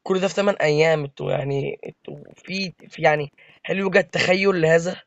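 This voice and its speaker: A man's voice: a little high, fast, no echo, lo-fi sound. A man with an Egyptian accent giving live gameplay commentary, complaining to his viewers in an exasperated, joking way. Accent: Egyptian Arabic. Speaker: gaming video creator.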